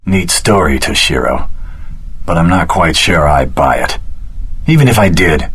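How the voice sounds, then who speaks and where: An actor playing a wry, world-weary swordsman hero in a video game, speaking in a dry, casual, gravelly voice. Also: deep voice, a bit bright, heavily acted. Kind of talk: scripted video game voice acting.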